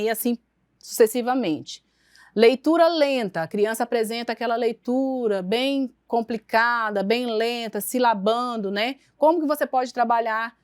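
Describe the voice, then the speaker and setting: A woman's voice: on the high side, no echo, studio quality. A woman teacher giving a recorded online lecture with a Brazilian Portuguese accent, explaining step by step with frequent tag questions and restarts.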